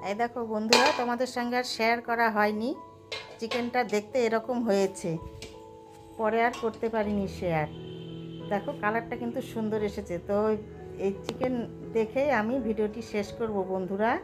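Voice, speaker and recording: A woman's voice: fairly high pitch, steady tone, moderate pace, over music. A woman narrating her home vlog in a chatty way, addressing viewers as friends. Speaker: vlogger.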